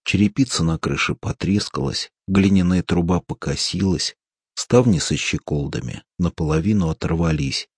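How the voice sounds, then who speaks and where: A man with a very low voice and a husky edge narrates a novel aloud at a steady, measured pace. The recording is dry and close. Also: dry recording. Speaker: audiobook narrator. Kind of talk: scripted narration.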